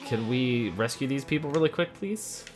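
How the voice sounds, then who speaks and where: A man's voice: medium pitch, normal speed, music in the background. A man giving casual let's play commentary on a video game, thinking aloud and talking to the characters as he plays. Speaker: gamer playing a video game.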